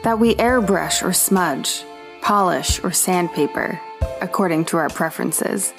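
An actress playing a defensive yet tender woman in an audio drama, measured and placating. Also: lowish voice, vocal fry, over music. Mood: reflective.

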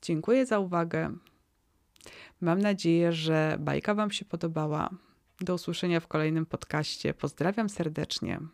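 A woman podcast host narrating a fairy tale in a calm, gentle way. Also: lowish voice, normal speed, vocal fry, dry recording, studio quality.

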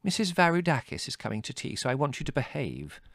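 A man voicing a middle-aged mother in an audiobook, gentle and fond, fussing and soothing but firm. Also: medium pitch, huge pitch swings, quick pace, creaky, dry recording, clean studio sound, voice pushed up, full character voice. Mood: earnest. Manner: hesitant, soothing, fond protests. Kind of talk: audiobook character dialogue.

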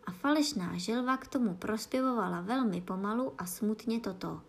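Woman reading a bedtime story softly. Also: mid-range voice, creaky.

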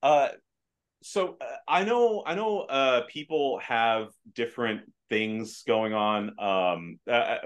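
American dude on a video call, ums and uhs everywhere, mid-pitched voice. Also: male voice, slow pace. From Afghanistan. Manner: hesitant, many fillers and restarts. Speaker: podcast guest. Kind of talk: casual chat.

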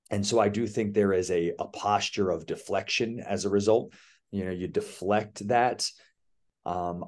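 A male athletic director, a guest on an interview podcast, with a somewhat low voice. He explains his ideas fluently and with conviction, building point after point. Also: darkish tone. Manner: confident, explanatory, speaks in flowing points. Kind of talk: casual interview answer.

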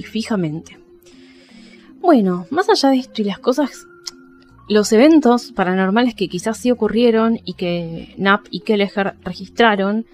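A woman's voice: mid-range voice, darkish tone. A woman with an Argentine accent hosting a podcast, casually telling paranormal history and often checking in with her listeners. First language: Spanish. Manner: conversational, addresses listeners with checking tags. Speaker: podcast host. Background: background music.

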